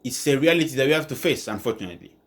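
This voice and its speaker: A man's voice: medium pitch, expressive, racing. A man hosting an online channel with informal news commentary, restating his points as he goes.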